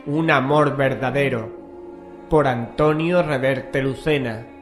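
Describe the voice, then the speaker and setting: A man's voice: mid-range voice, slow pace, faint music behind. A man from presenting a scripted horror radio show.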